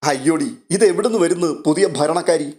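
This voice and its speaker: A man's voice: on the high side, normal speed, a little mellow, lightly acted. A man reading out a cheeky young woman who gossips, voicing her as teasing and indignant.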